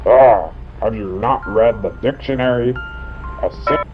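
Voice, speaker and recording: A man's voice: medium pitch, takes it slowly, close to an everyday voice. A man voicing a grumpy, bookish know-it-all puppet neighbor in a children's show, pedantic and dry. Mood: exasperated. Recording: muffled lo-fi tape with chiming music.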